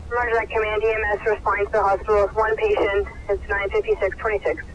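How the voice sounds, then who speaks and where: A man's voice: high-pitched, little pitch movement, fast talker, a bit bright. A man working as a fire dispatcher, heard over a radio, reading back calls and times in clipped dispatch style. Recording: muffled radio with static noise.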